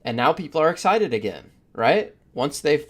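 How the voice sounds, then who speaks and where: A man's voice: a little high, very animated, moderate pace, husky. A man co-hosting a podcast in casual, opinionated chat, blunt and emphatic in how he makes his case. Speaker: podcast co-host.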